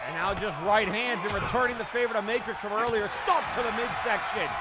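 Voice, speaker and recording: A man doing dramatic, excitable play-by-play as a wrestling commentator, with a crowd behind him. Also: sits high, a little fast. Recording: loud crowd noise behind voice.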